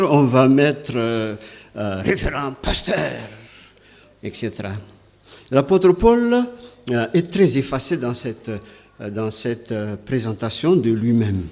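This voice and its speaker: A pastor from Madagascar preaching a sermon, stressing key words with sharp rises and often hesitating and repeating himself. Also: male voice, a little high.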